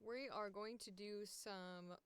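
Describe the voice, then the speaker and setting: A woman with a smooth, clear voice in a dry, close-sounding space hosts a casual livestream. She speaks at a medium pitch and explains things informally, step by step, as if thinking aloud. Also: slow, fairly bright tone, dry recording. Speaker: voice actor hosting a livestream.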